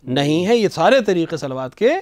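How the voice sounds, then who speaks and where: A man, a religious scholar on a studio TV show, explaining patiently and slowly reciting phrases to show the right pronunciation. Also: a little high, very animated, no echo. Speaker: religious scholar answering questions. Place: television studio.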